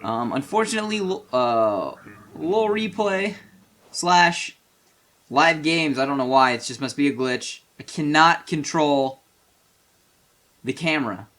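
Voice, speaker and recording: A man giving casual, chatty commentary over game footage, full of fillers and apologetic asides, with bursts of fast, excited play-by-play. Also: fairly high pitch.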